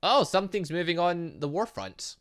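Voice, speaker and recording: A game playthrough host reading aloud and commenting in a rambling, excitable, self-interrupting way. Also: mid-range voice, normal speed. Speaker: gaming video host.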